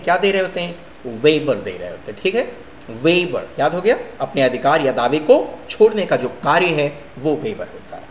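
A middle-aged male English teacher explaining word meanings to his students in Hindi, asking and answering his own questions. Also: fairly high pitch. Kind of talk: vocabulary lesson. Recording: echoey room, faint hum.

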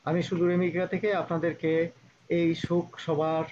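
A man with a fairly high voice comes through an online call line, the sound muffled and lo-fi with a faint hiss behind it. He gives a slow, measured formal address at a memorial gathering. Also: little pitch movement, darkish tone. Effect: heard over an online call line. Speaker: guest speaker at a memorial meeting.

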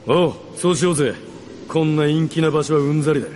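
A man playing a blunt, battle-seasoned mercenary with rough speech in a Japanese fantasy radio drama. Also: fairly high pitch, quick pace, noisy background, close to an everyday voice. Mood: easygoing. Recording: studio drama with music behind.

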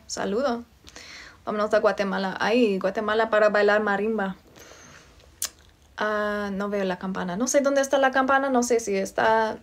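A young woman from Virginia hosting a casual phone livestream at home, reading out and answering viewers' comments, greeting them by name. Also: mid-range voice. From United States, Virginia. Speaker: livestream host. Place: indoors, home room. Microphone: phone held close.

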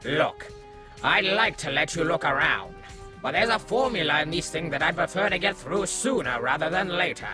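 A man's voice: a little high, expressive, moderate pace, music in the background, natural voice. A man voicing a crude, mocking male Christmas spirit with a psychotic streak in a fan audio drama. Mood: dismissive.

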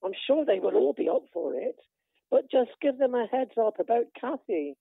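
A woman acts a helpful community organiser in a radio play. She is eager and upbeat, swinging widely in pitch with some gravel. The phone line is thin and tinny. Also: big pitch swings, normal speed, exaggerated voice. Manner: upbeat, obliging. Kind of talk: radio drama phone call.

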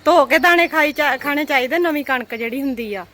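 A woman's voice: sits high, brisk, a bit bright. A woman with a Punjabi accent chatting casually in a teasing, chiding way as she vlogs. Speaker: vlogger. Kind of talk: casual vlog chat.

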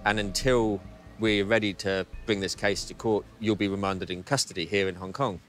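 Easygoing New Zealand man, low voice. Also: steady tone, moderate pace, a bit bright, soft background music. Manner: easygoing, plain-spoken storyteller. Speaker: interviewee. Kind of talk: casual interview. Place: outdoors by a harbour.

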